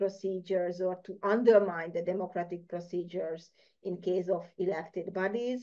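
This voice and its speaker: Against a quiet background, a woman with a Hungarian accent talks at a fairly slow pace with fairly even intonation. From Hungary. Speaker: political science researcher; conference presenter. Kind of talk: conference presentation. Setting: video call. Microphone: connection freezing; video call.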